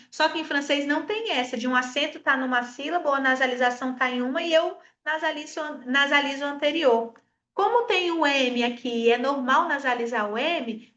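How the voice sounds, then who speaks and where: High-voiced Brazilian teacher in echoey room. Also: female voice, bright, forceful tone, lo-fi sound. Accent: Brazilian Portuguese, Espírito Santo. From Brazil, Espírito Santo. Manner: explains patiently, coaxes viewers to repeat sounds; models French words slowly. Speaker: French teacher. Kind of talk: online language lesson.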